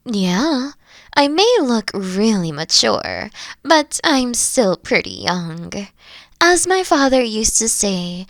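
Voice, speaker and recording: Tender, teasing young queen woman acting, mature beyond her years, very unhurried delivery, intimate dry sound, roleplay audio. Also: medium pitch, dry recording, full character voice. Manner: slow, soft-spoken, drifting into breathy whispers. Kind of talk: scripted roleplay audio drama, intimate one-on-one.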